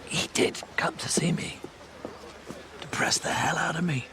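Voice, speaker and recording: Actor playing frail male patient in hoarse whisper. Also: on the high side, a little slow, lightly acted. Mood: dry. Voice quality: breathy whisper, voice barely there. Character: weak, hoarse male patient, dryly blunt. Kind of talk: TV drama acting.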